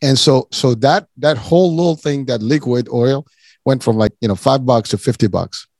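A man's voice: medium pitch, normal speed, a little mellow, slightly rough, no echo, studio quality. A man from Morocco hosting an interview, talking in a casual, rambling way with many restarts and asides. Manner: rambling, many restarts and "you know", chuckles often. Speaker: podcast host.

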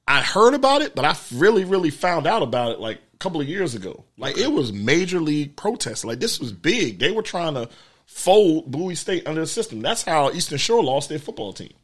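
A man with an African American accent and a slightly high voice. His pitch moves around in a lively way as he chats casually and colloquially in a group discussion. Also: brisk. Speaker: panel discussion participant. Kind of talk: casual chat.

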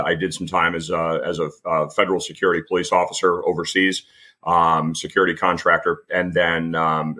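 Deep gravelly-edged male guest. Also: sharp tone. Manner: hesitant, repeats words while thinking. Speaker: podcast guest, law enforcement trainer. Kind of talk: casual interview talk.

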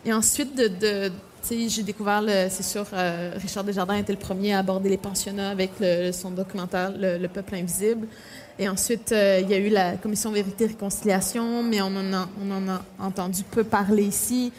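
A woman's voice: medium pitch, fairly even intonation, brisk, darkish tone, a little hiss or hum. A young woman, an author speaking with many hesitations and restarts. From Quebec, Innu community. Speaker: author guest.

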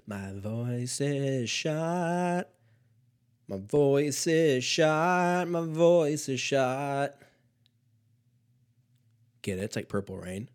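A man in his thirties hosting a casual solo comedy podcast, rambling and swearing, often dropping to a mumble before jumping to loud quips. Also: medium pitch. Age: 30s. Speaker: podcast host.

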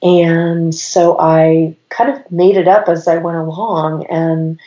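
A business owner in her forties, guesting on a podcast, tells stories in a rambling way, stacking clauses with "and." She has a cold, so her low, steady, mellow voice is slightly raspy and slow. The recording sounds roomy, dull, and lo-fi.

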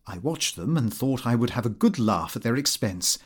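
A man's voice: mid-range voice, expressive, normal speed, breathy edge. A man narrating a comic Victorian diary, with a prim, aggrieved, theatrical manner. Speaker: audiobook narrator.

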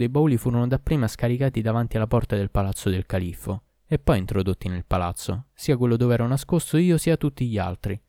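A man reading a first-person tale aloud at a steady, measured pace. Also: lowish voice, dry recording, studio quality. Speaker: narrator. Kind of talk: scripted first-person story narration.

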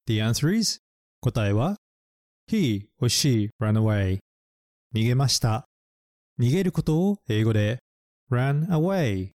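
A man narrating a bilingual lesson, explaining English words slowly and spelling them out letter by letter. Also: mid-range voice, mellow, dry recording, clean studio sound.

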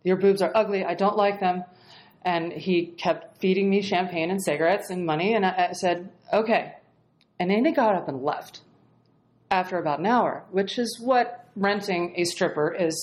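A woman guest telling a story in casual, animated talk, swearing freely and laughing as she goes. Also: on the low side, moderate pace. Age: adult, past marriage. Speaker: podcast guest.

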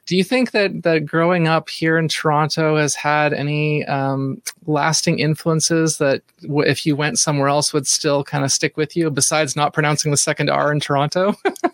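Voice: medium pitch, steady tone, moderate pace, no room sound. A podcast host asking questions in a hesitant, casual way with many fillers. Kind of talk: casual interview.

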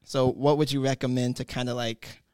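A man's voice: medium pitch, little pitch movement, fairly quick, dark tone, smooth, no echo. Young man, hesitant, lots of fillers, dry sound. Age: 20s. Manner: hesitant, many fillers and tag questions. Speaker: question asker. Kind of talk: casual discussion.

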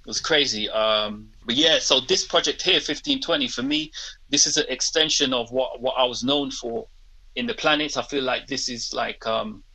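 London MC, 50s, easygoing interview chat, bright tone. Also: male voice, mid-range voice, moderate pace, gravelly, low-quality recording. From England. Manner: relaxed, says "man" often. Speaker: guest rapper. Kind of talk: casual interview talk.

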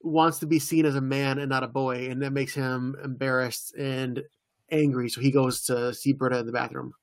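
A man's voice: mid-range voice, level tone, normal speed, dry recording. A man co-hosting a podcast, casually walking through plot beats and quoting lines in an easygoing way. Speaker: podcast co-host. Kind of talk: casual episode recap chat.

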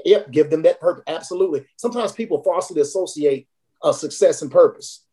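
A man's voice: a little high, fast talker, warm tone. A man working as a recovery advocate, speaking earnestly and encouragingly as a podcast guest. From Tennessee. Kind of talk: casual podcast conversation.

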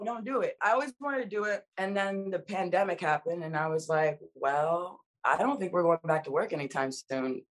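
A young woman from the Dominican Republic, guest in an interview, talking in a casual, slangy, animated way. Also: mid-range voice. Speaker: actress guest.

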